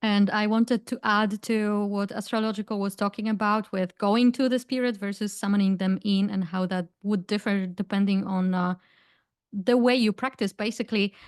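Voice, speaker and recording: A woman hosting a panel discussion who speaks in a measured way, pausing on "uh" and "um" as she explains folk witchcraft on a video call. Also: mid-range voice, fairly even intonation, clear, resonant tone, no room sound, clean studio sound.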